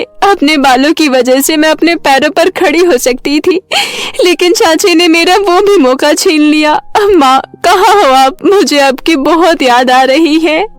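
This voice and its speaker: A woman's voice: high-pitched, dry recording, pitched above the performer's own voice. A woman voicing a meek, weeping young orphan girl in a storybook tale, with a plaintive, pleading manner.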